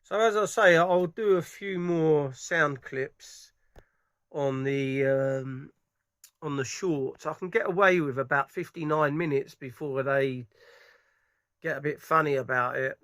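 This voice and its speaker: A middle-aged man talks casually about his speakers, circling back and restarting as he goes. His voice sits a little higher than most men's. The recording is dry and close, with no room sound. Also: measured pace, a bit bright, no room sound. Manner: rambling, enthusiastic, many restarts. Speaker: audio hobbyist vlogger. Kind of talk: casual product impressions. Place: dark room at home.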